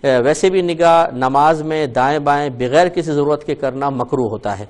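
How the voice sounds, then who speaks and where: A man serves as the mufti on a religious call-in program, his voice sitting a little high for a man. He explains step by step in a patient teaching manner. He often slows down to repeat a phrase so listeners can copy how it is said. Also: darkish tone. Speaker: mufti answering callers.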